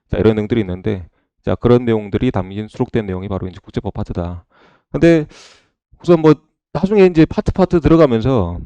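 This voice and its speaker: A man's voice: mid-range voice, dry recording, dull audio. A middle-aged man giving a recorded online lecture, often checking in with his class and asking them questions. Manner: repeats "자" and checks in with "그죠?"; lively, asks the class questions.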